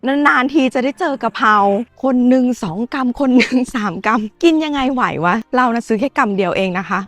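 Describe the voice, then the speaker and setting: A woman's voice: sits high, brisk. Chatty joking young Thai woman. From Thailand. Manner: chatty, joking, playful slang. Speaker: vlogger. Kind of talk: casual vlog chat.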